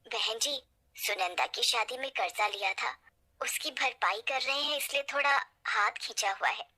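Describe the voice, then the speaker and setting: Meek poor older mom in a storybook, lower and soft, a woman voicing her. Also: moderate pace. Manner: meek and pleading. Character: humble poor older mother.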